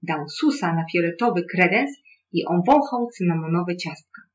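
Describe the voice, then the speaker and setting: A calm storyteller reading a children's tale aloud at a middling pitch. The recording is slightly dull and lo-fi, with a faint hum underneath. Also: normal speed.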